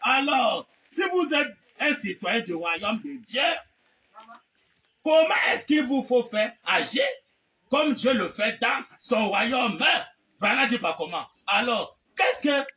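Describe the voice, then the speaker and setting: High-pitched shouting preacher. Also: male voice, lively intonation, slow pace. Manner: exclamatory, repeats phrases and amens insistently; mocking, theatrical asides. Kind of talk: fiery revivalist sermon. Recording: distant mic with faint background noise.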